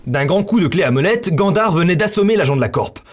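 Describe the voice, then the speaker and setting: A man's voice: high-pitched, expressive, fast, a little hiss or hum. A man delivering scripted narration for a science-fiction visual novel. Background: music.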